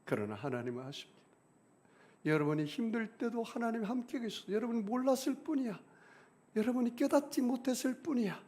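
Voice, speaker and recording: A middle-aged man preaching a sermon as senior pastor, emphatic, with big swings in pitch and volume, leading the congregation in call-and-response. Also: expressive, brisk, a little mellow.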